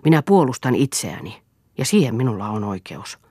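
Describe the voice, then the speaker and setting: A woman's voice: rumbling low, big pitch swings, warm tone, breathy edge, no echo, clean studio sound, exaggerated voice. A woman reading the part of a defiant, steadfast wife who speaks firmly and resolutely. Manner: firm, resolute. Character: defiant, steadfast wife standing her ground.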